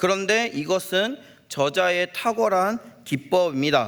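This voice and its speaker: A man's high-pitched voice, very slow in pace, with lively intonation. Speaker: pastor. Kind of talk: sermon. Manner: deliberately slow.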